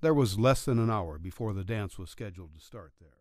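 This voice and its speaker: A man's voice: lowish voice, animated, brisk, darkish tone, no room sound, studio quality. A man narrating a western story as a scripted audiobook reading.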